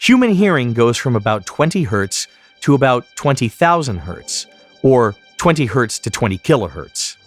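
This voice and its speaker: A man presenting a tutorial in scripted, explanatory narration, enunciating each term clearly. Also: mid-range voice.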